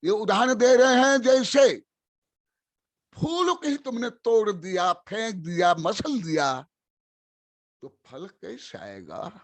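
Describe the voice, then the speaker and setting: An older man preaching as a monk, pressing each point with slow, deliberate emphasis and coming back to it again and again. His voice sits high for a man and is heard dry and close, with no room around it. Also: sing-song, dry recording. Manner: slow, emphatic and repetitive, reciting verses. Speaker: Jain monk and spiritual teacher. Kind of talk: sermon.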